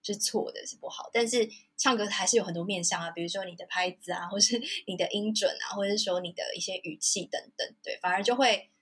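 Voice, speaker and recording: A woman hosting a Mandarin interview podcast, thinking aloud and giving frequent soft hums of agreement. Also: mid-range voice, fast talker, few pauses, husky. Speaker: podcast host. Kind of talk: interview conversation.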